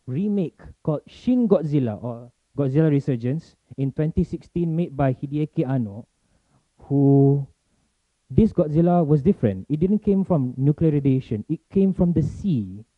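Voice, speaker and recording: Fast-talking young man presenting. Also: fairly high pitch, no echo. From Malaysia. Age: young adult. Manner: talks fast in bursts, chatty and informal. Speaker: forum speaker. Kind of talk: casual presentation to an audience. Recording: tinny phone-like sound, dry.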